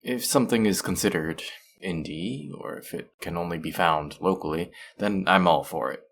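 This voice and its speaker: A man's voice: deep voice, moderate pace, vocal fry. A man playing a friendly, teasing, slightly bashful young traveler in a casual, intimate one-sided audio roleplay. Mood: friendly, playful.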